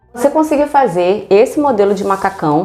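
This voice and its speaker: Music plays in the background as a woman speaks with lively intonation. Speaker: sewing teacher. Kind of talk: tutorial. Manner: fast.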